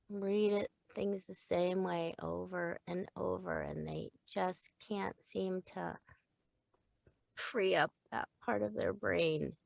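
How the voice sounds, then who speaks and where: A middle-aged woman, a voice actor and acting coach, chatting in an interview in a lively way and laughing easily. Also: mid-range voice, creaky, dry recording. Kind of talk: casual interview chat.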